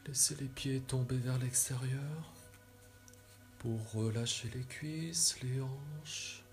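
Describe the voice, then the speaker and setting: A man leads a guided meditation at a very unhurried pace. His voice is soft and soothing, with breathy phrase endings and measured pauses between instructions. Faint music plays behind him. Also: mid-range voice, steady tone. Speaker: yoga nidra guide.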